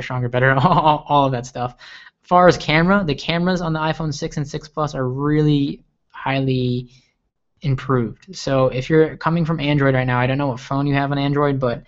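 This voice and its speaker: A young man hosting a live tech stream, answering viewer questions in an eager, rambling way and often repeating words. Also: mid-range voice. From Okinawa, Japan. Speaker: livestream host. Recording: lo-fi livestream audio.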